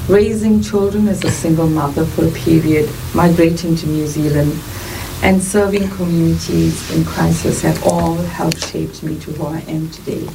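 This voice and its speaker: A middle-aged South African woman, a nurse and midwife, giving earnest, measured interview answers. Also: low voice. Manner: measured, earnest, lists things in steady runs. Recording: distant mic with clear background noise.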